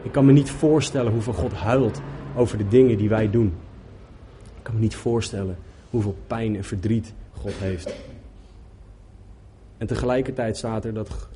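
Earnest male preacher with a husky voice. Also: on the low side, dark tone. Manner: earnest, emphatic, repeats phrases. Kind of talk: sermon.

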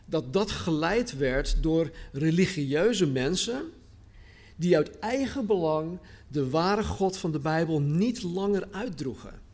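Male preacher, slightly high voice, earnest sermon delivery with deliberate repetitions. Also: darkish tone. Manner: earnest, repeats phrases for emphasis, slows on key words. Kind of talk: sermon with scripture reading.

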